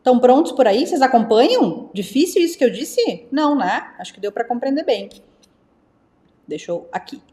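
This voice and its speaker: A young woman from teaching English live, lively and repeating words slowly for her students. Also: sits high, echoey room. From Brazil. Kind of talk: live online English lesson.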